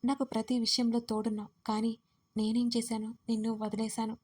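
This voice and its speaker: A remorseful young woman pours out her feelings in soft, tearful tones, read by a female storyteller. Her voice sits fairly high. It keeps a narrow, steady melody. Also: a little fast, lightly acted. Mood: heartfelt. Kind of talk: audio story reading.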